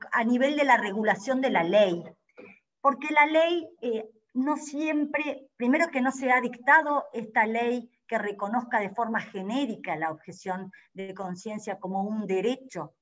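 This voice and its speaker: Woman giving a law seminar, kinda high voice, slow careful explaining, muffled lo-fi sound. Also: fairly bright tone. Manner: careful, explanatory, pauses to rephrase. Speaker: law lecturer. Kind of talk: academic seminar lecture. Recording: dull lo-fi audio.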